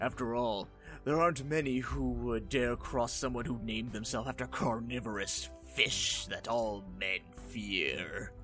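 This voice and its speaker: A man in a put-on character voice, medium in pitch, at a moderate pace, with clear music in the background. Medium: actual play. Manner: warm, reassuring.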